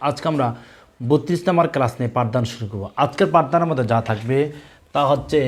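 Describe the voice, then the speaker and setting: A male teacher giving a recorded Quran reading lesson for young children, spelling out Arabic letters slowly and loudly and repeating each word several times. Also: medium pitch. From Bangladesh. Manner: slow, loud drilling of Arabic letter spelling with repetitions.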